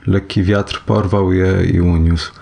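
A man narrating a short story as an audiobook, in a measured, even reading. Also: low voice, vocal fry.

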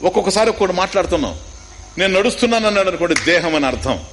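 A man with a Telugu accent delivers a scripture lecture, his pitch rising and falling constantly. He teaches by asking questions and repeating key words, slipping in English phrases. His voice sits fairly high for a man, with a faint hum underneath. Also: lively intonation, very fast, a bit bright, poor audio. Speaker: spiritual teacher. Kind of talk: Upanishad discourse.

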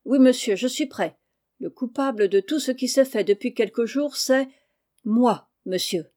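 A woman reading the part of a bold schoolboy, polite and firm, who keeps calm under pressure. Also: fairly high pitch, a little slow, close to an everyday voice. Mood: steady.

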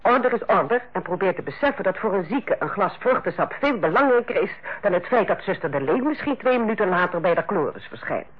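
An actress playing a stern, sarcastic head nurse who lectures and bites in a Dutch radio play. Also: female voice, mid-range voice, animated, brisk, few pauses, husky. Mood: sarcastic, scolding. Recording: muffled old radio play recording.

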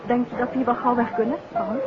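An actress playing a detective's refined, frank and dryly witty wife in a 1950s radio drama. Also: female voice, fairly high pitch, flat delivery, fairly quick, close to an everyday voice. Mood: wry. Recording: very noisy, dull old radio, crowd behind.

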